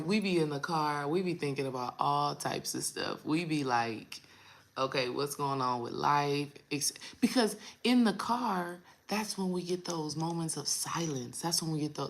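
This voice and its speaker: A woman in her thirties with a raspy, low morning voice, talking casually to her viewers as a spiritual coach. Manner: chatty, addresses viewers as y'all, drawn-out pauses. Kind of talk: casual vlog talk to viewers.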